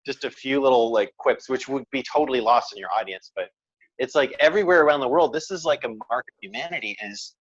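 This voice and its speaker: A man appearing as a guest on a casual podcast, talking in an animated way, laughing as he goes and slipping into playful mimicry. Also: mid-range voice, fast talker, husky, no room sound. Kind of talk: casual chat. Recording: dull lo-fi dry sound.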